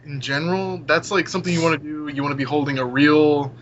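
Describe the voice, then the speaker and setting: Bright-voiced young man, muffled noisy audio. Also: on the high side, steady tone, fast talker. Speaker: podcast panelist. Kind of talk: casual opinionated gaming discussion. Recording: muffled audio with clear background noise.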